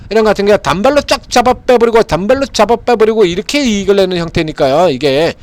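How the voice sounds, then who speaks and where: Guy breaking down stocks, high voice that jumps all over, keeps going "eh?" at you. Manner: keeps tossing in rhetorical "eh?" tag questions; emphatic, repetitive, pitchman-like. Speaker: stock market commentator. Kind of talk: informal stock analysis talk.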